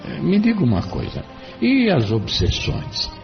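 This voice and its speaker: A man voicing a calm, kindly spirit mentor who asks measured questions in an audiobook drama. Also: high voice, full character voice. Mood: inquiring. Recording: dull lo-fi, distant from mic, music behind.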